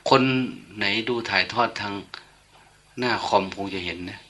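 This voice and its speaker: Unhurried and on the low side, this older monk's voice sounds pushed and bright as he gives a dharma talk. The sermon stays casual and conversational, packed with stories and gentle jokes.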